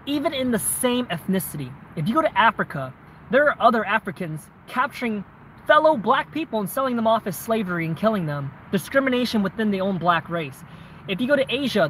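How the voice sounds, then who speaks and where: A man's voice: sits high, a bit bright, slight background noise. A man with a Southern accent, a vlogger answering viewer questions in a casual, conversational way, often tagging his points with "right?" and "man.". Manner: conversational, frequent tag questions and "man", "bro". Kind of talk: casual chat.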